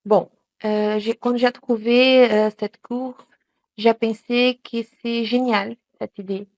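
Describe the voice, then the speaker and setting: A Brazilian woman, a native Portuguese speaker, gives a hesitant testimonial in French, with many pauses and fillers. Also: a little high, fairly even intonation, darkish tone, no echo. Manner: hesitant, many fillers and restarts in a second language. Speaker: student giving a testimonial. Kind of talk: spontaneous testimonial.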